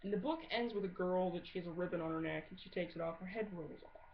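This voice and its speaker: A woman's voice: lowish voice, fast talker. Blunt woman rambling, muffled noisy recording. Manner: blunt, sweary, sarcastic. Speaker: amateur video blogger. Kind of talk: casual comedic rambling monologue. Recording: muffled audio with clear background noise.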